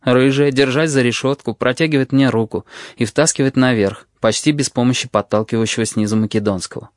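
A man's voice: mid-range voice, brisk, no room sound. A man narrating a novel in the first person, reading expressively. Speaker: audiobook reader.

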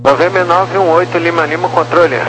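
A man's voice: on the high side, steady tone, normal speed. A man working as an air traffic controller, reading out procedural instructions over the radio. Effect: radio transmission. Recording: noisy aviation radio with mains hum.

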